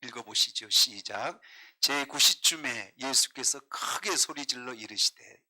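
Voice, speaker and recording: Forceful, bright-voiced male pastor preaching. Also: mid-range voice, measured pace. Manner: emphatic preaching, questioning the congregation, swinging between loud and hushed. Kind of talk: sermon.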